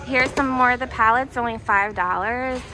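High-voiced enthusiastic American woman vlogger. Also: moderate pace, background noise. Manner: enthusiastic, gushing over items. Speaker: shopping vlogger. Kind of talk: casual shop-with-me commentary. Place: inside a discount retail store. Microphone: handheld camera or phone, held by the speaker. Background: music.

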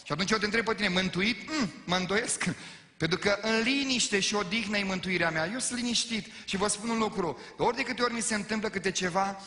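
Romanian preacher in a roomy church hall. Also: male voice, high voice, sharp tone. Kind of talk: sermon. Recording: live sermon in a reverberant church hall.

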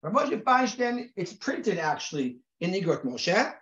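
A man's voice: high voice, very animated, a bit bright. Male rabbi in his forties, from Israel, conversational lecture style, lots of restarts, roomy and muffled recording. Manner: conversational, many restarts and repeated words; reads Hebrew sources aloud quickly. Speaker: rabbi teaching a class. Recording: roomy, dull lo-fi sound.

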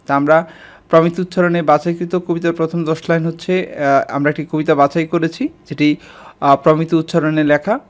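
A man giving an exam-prep lesson to school students, speaking directly to them and pausing with fillers as he explains. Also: fairly high pitch, little pitch movement.

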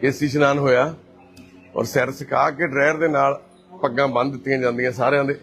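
A man's voice: mid-range voice, little pitch movement, fairly quick, a bit bright, faint music behind. A man from Punjab, India, with a Punjabi accent, giving a live walk-through of a care shelter and cheerfully coaxing the residents as he goes. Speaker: host and caretaker at a care shelter.

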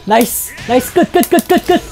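A woman streaming her own fighting game match, calling the play and breaking into loud cries and laughs. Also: very high voice, lively intonation, fairly quick. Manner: reads viewer chat aloud. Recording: game music playing loudly behind.

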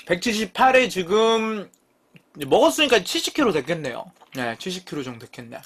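A man's voice: high voice, fairly quick. A man in his thirties hosting a live eating stream, chatting casually with viewers and swearing freely as he bickers with them. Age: 30s. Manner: lively, jumps between mumbling and loud outbursts.

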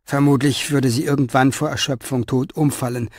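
A man reading an audiobook with expressive storytelling. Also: medium pitch, moderate pace, dry recording, studio quality. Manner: expressive storytelling with lively inner voice. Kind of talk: audiobook narration.

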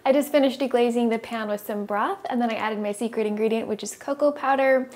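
A woman's voice: fairly high pitch, a little fast, a little mellow. Upbeat woman explaining recipes. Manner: upbeat, clear step-by-step explaining. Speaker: cooking channel host. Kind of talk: recipe instruction with voice-over. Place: home kitchen, indoors.

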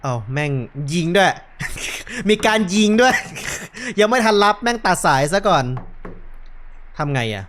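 A man's voice: high-pitched, animated, a little slow, a bit bright. Male game streamer, cheeky and profane, reading lines as he plays. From Thailand. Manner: joking, swearing, reads game dialogue aloud. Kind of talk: let's play commentary.

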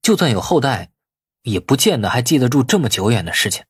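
A man's voice: mid-range voice, big pitch swings, fairly quick, breathy edge, dry recording, clean studio sound. A man voicing a cocky yet easily flustered businessman in audiobook dialogue, eager and informal. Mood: bewildered, protesting.

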